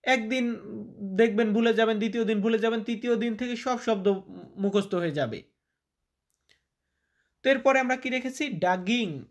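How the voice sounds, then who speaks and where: A man's voice: very high-pitched, moderate pace, pauses often. A man teaching vocabulary, repeating each word and quizzing the listener. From Bangladesh. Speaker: language teacher. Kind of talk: vocabulary lesson.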